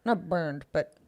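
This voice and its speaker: A woman's voice: on the low side, a little mellow. An American woman co-hosting a comedy podcast, joking brashly and laughing often. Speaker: podcast co-host. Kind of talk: casual comedy podcast chat.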